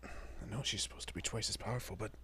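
A man playing a protective, easily bewildered young husband and father in an audio roleplay, with a husky, breathy, often whispering voice and halting, muttering delivery. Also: lowish voice, background noise, close to an everyday voice. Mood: anxious, hushed. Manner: halting, muttering, mild swearing.

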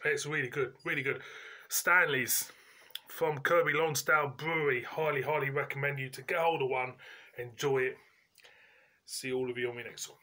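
A man, giving a casual, chatty review in colloquial, halting phrases as host. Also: mid-range voice, steady tone, pushed and bright. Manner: informal, colloquial, pauses mid-sentence. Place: indoors, living room at home.

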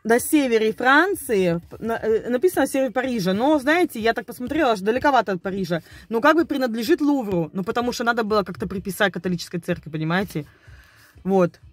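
A woman's voice: a little high, expressive, fast, dry recording. Rambling conspiratorial woman, dry close sound. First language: Russian. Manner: rambling, hesitant, breaks off words and repeats them; conspiratorial, chews over word roots aloud. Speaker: video blogger. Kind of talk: casual speculative monologue to viewers.

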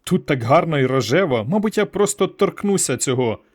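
Man doing a teasing alien seductress, pitched well up, playful and coy. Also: animated, a little fast. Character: flirty alien woman intruder in a mind.

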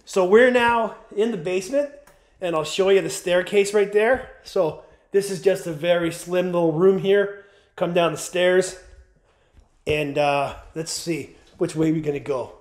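Sniffly 40s guy filming an empty house on a handheld cam, chatty, higher voice, keeps saying guys. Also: unhurried. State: sniffly, runny nose. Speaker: urban explorer vlogger. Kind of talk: casual walkthrough narration. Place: empty abandoned house, indoors. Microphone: handheld camera.

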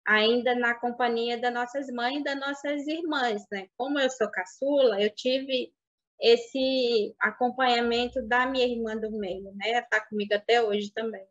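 A woman in her thirties whose first language is Baniwa, telling her life story in an interview, reflective and halting, over a video call. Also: a little high. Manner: reflective, halting with restarts and soft fillers. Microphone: webcam on video call. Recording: dull lo-fi video call audio.

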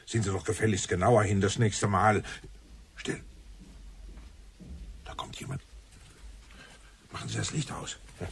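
An actor playing a gruff, impatient police commissioner with a brusque, commanding manner in a German radio crime drama. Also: male voice, fairly low pitch, fairly even intonation, a little slow, long pauses, exaggerated voice.

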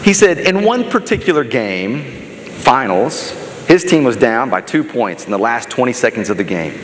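A man's voice: medium pitch, sing-song, normal speed. A middle-aged American man giving a motivational keynote, telling stories in an emphatic, dramatic and conversational way. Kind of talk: animated stage storytelling. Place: large stage in an auditorium, indoors. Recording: echoey hall, noticeable background noise.

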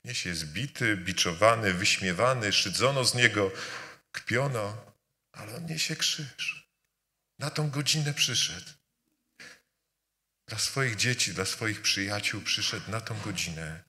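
A man preaching a sermon during a church service, speaking emphatically with rhetorical repetition, rising to loud calls and dropping to quiet, intimate lines. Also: lowish voice, unhurried. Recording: reverberant church hall.

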